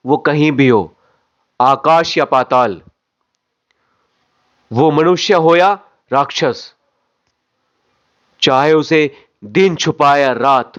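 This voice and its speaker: A man playing a vengeful son in a film monologue, swearing with slow, emphatic force to avenge his father. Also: fairly high pitch, a bit bright, lo-fi sound.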